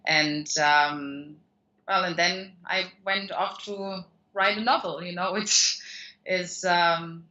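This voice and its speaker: A woman's voice: lowish voice, fairly even intonation, takes it slowly, sharp tone, dull audio. A woman with a German accent, a guest author talking through her career in a rambling way, with many restarts and fillers. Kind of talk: conversational interview answers.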